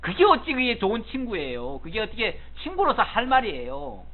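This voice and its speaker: A man's voice: very high-pitched, fairly quick. A male pastor preaching on a Bible passage, acting out the speaker's words with rising emphasis and chuckling between points. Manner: animated, acts out Job's words with rising emphasis. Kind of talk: expository Bible sermon. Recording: tinny phone-like sound.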